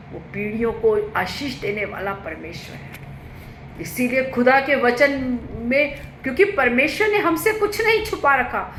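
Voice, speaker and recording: A woman preaching a sermon with fervour, climbing to emphatic high peaks and then dropping low and quiet. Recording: echoey room with faint ambient noise.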